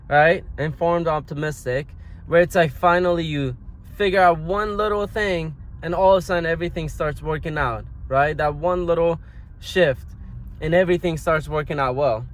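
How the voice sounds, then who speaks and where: A man, talking casually to camera in a loose, rambling way and often clearing his throat. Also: fairly high pitch. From Iran. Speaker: motivational vlogger. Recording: outdoor street noise.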